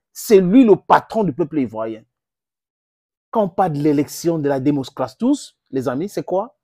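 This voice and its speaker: A middle-aged man whose first language is English, giving impassioned direct-to-camera political commentary on a lapel mic, with sudden jumps in pitch for emphasis. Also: warm tone, no echo, studio quality. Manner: impassioned, gesturing, addresses viewers as friends, pitch jumps for emphasis. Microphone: clip-on lapel mic.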